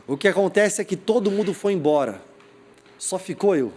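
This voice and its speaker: Animated Brazilian pastor telling a story. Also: male voice, high voice, normal speed, slightly rough. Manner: animated storyteller acting out quoted voices, laughing at himself. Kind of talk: sermon with personal storytelling.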